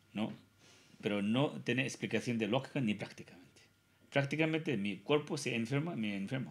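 A man speaks at a moderate pace with lively intonation and a touch of vocal fry. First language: Tibetan (speaking Spanish). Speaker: Buddhist teacher. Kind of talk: dharma teaching. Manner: halting, broken Spanish. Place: hall. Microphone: podium.

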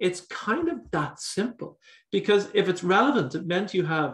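A man speaks in an Irish accent. Audible room echo surrounds his voice. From Ireland. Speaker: exam tutor. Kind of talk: lecture. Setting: video call. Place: home room. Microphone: video call.

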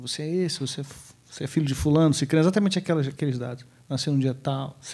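A man speaks very fast in a fairly high, somewhat breathy voice. His tone is dark and mellow, with ordinary pitch variation. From Brazil, Rio de Janeiro. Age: 30s. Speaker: novelist; guest. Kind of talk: interview monologue; interview answer. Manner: halting, many fillers and repetitions. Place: stage. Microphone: handheld.

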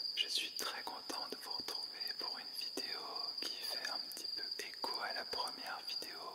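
A very slow pace over loud background noise. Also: man. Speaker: ASMR creator. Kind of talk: ASMR video introduction. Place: home room.

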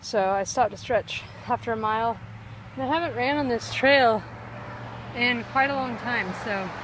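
A woman speaks at a moderate speed, her pitch varying in an ordinary way, with light noise behind her. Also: dry sound with no echo. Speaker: runner vlogger. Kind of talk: casual vlog chat. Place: open country. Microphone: phone near.

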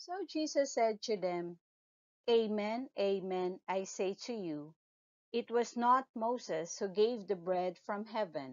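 Lively intonation marks a woman's speech at a very slow pace. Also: fairly high pitch for a woman. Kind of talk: liturgical reading of scripture and psalm. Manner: solemn, measured, even-paced; reverent, formal.

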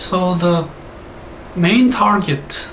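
A man talks at a very slow pace in a high pitch with ordinary pitch variation. Light background noise and audible room echo are present. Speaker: diving medicine lecturer. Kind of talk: lecture. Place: home room.

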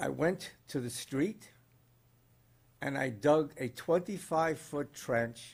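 Very slow and broken by long, frequent pauses, a man's fairly high, somewhat breathy voice moves with lively intonation. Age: 70s. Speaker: zoning board member. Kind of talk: public meeting deliberation. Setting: video-recorded board meeting.

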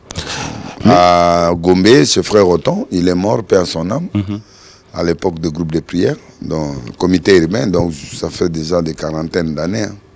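With a very deep, low pitch, a man speaks at a fairly slow pace. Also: ordinary pitch variation. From DR Congo. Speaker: prophet, preacher; guest. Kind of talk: interview. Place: studio. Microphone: handheld.

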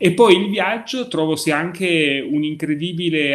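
Against a quiet background, a man with a plain, everyday voice speaks at a moderate pace with ordinary pitch variation. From Piedmont, Asti; Piedmont. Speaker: writer; interview guest. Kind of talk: interview. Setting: video call. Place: home room. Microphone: video call.

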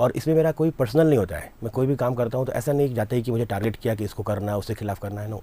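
A man talks at a very fast pace with hardly any pauses, at medium pitch with ordinary pitch variation. The sound is dry with no echo. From Uttar Pradesh, village near Varanasi; Uttar Pradesh. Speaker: police officer; guest. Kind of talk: interview. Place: studio.

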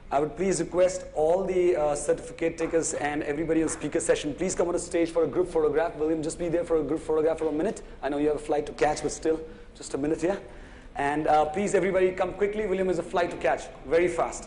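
Over light background noise, a man talks at a very fast pace with a high pitch and monotone, flat intonation. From India. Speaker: event emcee; event host. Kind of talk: announcements. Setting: stage with audience. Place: hall. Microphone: podium.

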